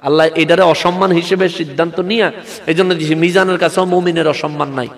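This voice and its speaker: A man with a regional Bangladeshi Bengali accent preaching a lively sermon and calling on the crowd to respond out loud. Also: on the high side, a little fast, in a large hall. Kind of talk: animated sermon with dramatized quotes.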